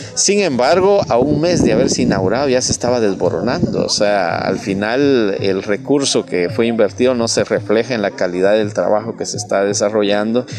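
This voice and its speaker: With a Guatemalan accent, a man speaks at a moderate pace and medium pitch with ordinary pitch variation, hardly any pauses, and noticeable background noise. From Guatemala, Palín Escuintla. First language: Poqomam Mayan (speaking Spanish). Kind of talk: interview.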